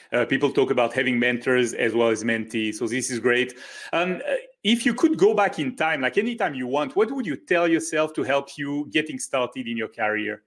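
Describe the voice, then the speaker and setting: A man's voice: mid-range voice, fairly bright tone. A man hosting an interview segment, asking questions and encouraging his guest. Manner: encouraging, attentive. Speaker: interview host.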